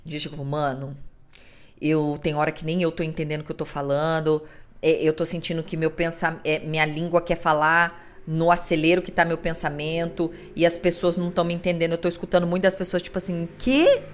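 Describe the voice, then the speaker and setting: Speaking a little fast in a low voice, this podcast host is a woman in her thirties with a Brazilian Portuguese accent. She delivers an expressive, casual monologue, swearing now and then and acting out whoever she quotes.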